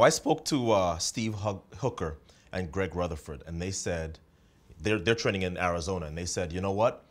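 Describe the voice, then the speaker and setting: Deep-voiced male sports interviewer. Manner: leading, probing questions. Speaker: interviewer, host.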